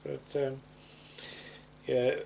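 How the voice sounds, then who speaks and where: A man's voice: mid-range voice, level tone, very slow, gravelly, mellow, a little hiss or hum. A man, chatting casually and a little hesitantly as a podcast host recapping a TV show. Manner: hesitant, rambling, chuckling delivery. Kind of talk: casual chat recapping a television sitcom episode.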